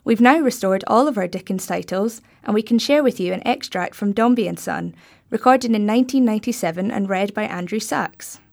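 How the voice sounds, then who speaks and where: Female host, scripted presenting, medium pitch, noticeable creak. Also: a little fast. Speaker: podcast host.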